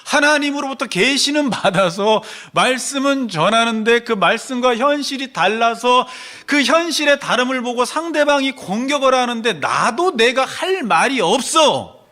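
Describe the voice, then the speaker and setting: A man preaching a sermon as pastor, animated, voicing questions and complaints as he teaches. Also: very high-pitched, normal speed, few pauses. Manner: animated, acts out questions to God and complaints from the congregation.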